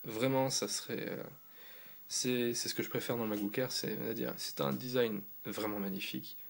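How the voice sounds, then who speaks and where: A man's voice: mid-range voice, steady tone, moderate pace, creaky, a little hiss or hum. A man giving a loose, rambling product review, talking casually with fillers and restarts. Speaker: tech reviewer.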